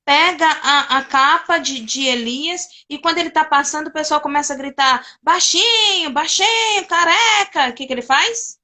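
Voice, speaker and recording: A woman's voice: high-pitched, moderate pace, few pauses, pushed and bright. A woman in a casual devotional chat on a video call, retelling scripture with many restarts. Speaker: participant in a Bible discussion.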